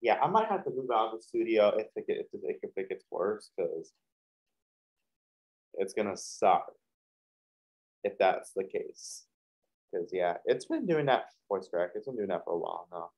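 A man's voice: fairly low pitch, lively intonation, moderate pace, long pauses, a little mellow. A young man hosting a reaction video, chatting casually and rambling with lots of fillers in a small hot studio with a fan running. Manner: rambling, full of fillers and restarts. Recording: dull lo-fi sound.

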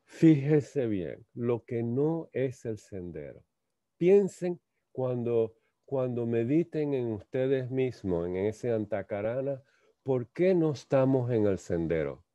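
Guy giving a slow spiritual lecture, stops and repeats words a lot, dull dry lo-fi sound. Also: medium pitch, very animated, warm tone, dry recording. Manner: halting, repeats words, rhetorical questions. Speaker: lecturer on theosophy.

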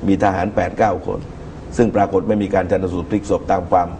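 A middle-aged man giving measured political commentary as a guest in a TV studio talk show, speaking into a lapel mic. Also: deep voice, flat delivery, dark tone, a little hiss or hum. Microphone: lapel microphone.

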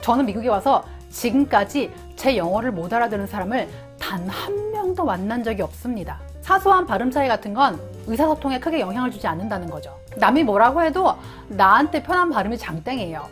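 Woman youtuber, kinda high voice, bouncy, explaining english words, soft music behind. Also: big pitch swings, brisk, few pauses. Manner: friendly, explains English usage in Korean. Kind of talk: casual explanatory vlog.

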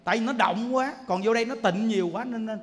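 Male Buddhist preacher, high-pitched and animated, long temple-hall reverb. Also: fast talker. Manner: animated, folksy, keeps asking the listeners if they understand. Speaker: Buddhist teacher giving a dharma talk. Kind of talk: sermon.

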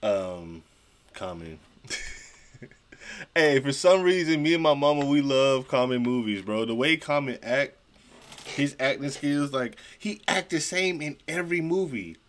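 Animated man reacting casually. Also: medium pitch, measured pace. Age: young adult. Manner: animated, slangy, repeats phrases for emphasis. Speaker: reaction video host. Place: small room at home, indoors, seated at desk.

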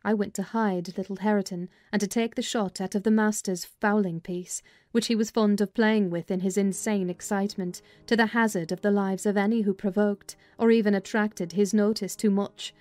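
A woman's voice: medium pitch, fairly even intonation, normal speed, hardly any pauses, darkish tone, dry recording. Woman narrating a classic novel. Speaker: audiobook narrator. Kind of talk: dramatized literary narration.

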